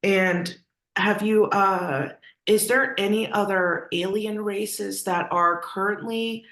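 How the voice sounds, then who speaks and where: A woman's voice: mid-range voice, steady tone, slow, a bit bright. A woman interviewer asking questions in a casual, conversational way, hesitantly rewording as she goes. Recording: echoey, roomy sound.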